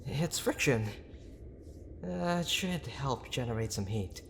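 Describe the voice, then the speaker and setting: A man acting a gruff but tender young boyfriend who is desperately worried, speaking in a halting, pleading, intimate way for an audio roleplay. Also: mid-range voice, animated, a little hiss or hum. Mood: reassuring, anxious. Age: young adult. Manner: halting, pleading, with sighs and breathy asides.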